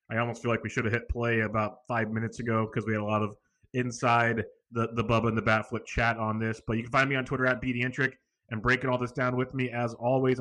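A man co-hosts a casual podcast in a loose, relaxed way. He banters easily and laughs often. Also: medium pitch. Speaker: podcast co-host.

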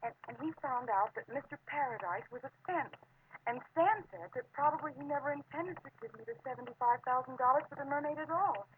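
A woman acting an earnest, sweet young fiancée in 1940s radio drama, with a slightly breathless, halting delivery. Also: high voice, natural voice. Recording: tinny, lightly noisy old radio recording.

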